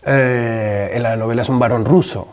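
A man's voice: medium pitch, steady tone, normal speed. A man in his thirties, a film director, answering interview questions in a hesitant, thinking-aloud way with many restarts. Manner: gestures with his hands as he talks. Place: room with wooden shelves, indoors.

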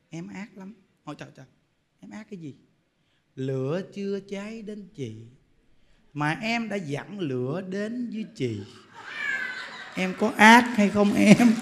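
A Buddhist monk giving an animated, teasing Dharma talk, full of rhetorical questions. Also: male voice, very high-pitched.

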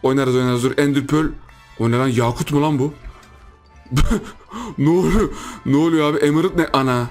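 A man's voice: mid-range voice, fairly even intonation, moderate pace, long pauses, darkish tone, soft background music. A young man giving casual, joking gameplay commentary, full of exclamations and laughter. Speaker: gaming YouTuber.

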